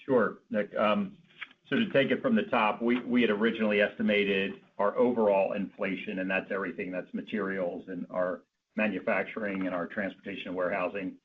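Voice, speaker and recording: A man with a very low voice speaks as a finance executive on an earnings call. He explains things in a measured, businesslike way. The line is muffled, with faint noise behind him. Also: little pitch movement. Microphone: conference call line.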